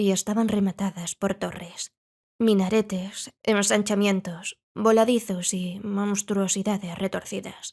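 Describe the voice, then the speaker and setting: A woman's normal speaking voice at medium pitch, with fairly even intonation and a fairly slow pace. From southern Spain. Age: 20s. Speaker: voice actor. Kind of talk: audiobook narration.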